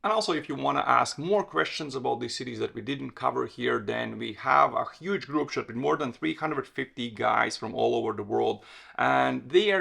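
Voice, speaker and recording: Gravelly-voiced man hosting a podcast. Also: medium pitch, a bit bright. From Latvia. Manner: direct, conversational, self-correcting. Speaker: podcast host and dating coach. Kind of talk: solo podcast monologue.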